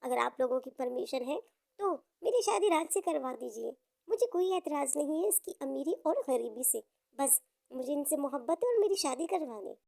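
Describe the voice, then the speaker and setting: A woman's voice: sits high, animated, normal speed, vocal fry, mellow, dry recording, clean studio sound. A woman playing a lovestruck, pampered young daughter in a story, with an earnest, pleading way of talking.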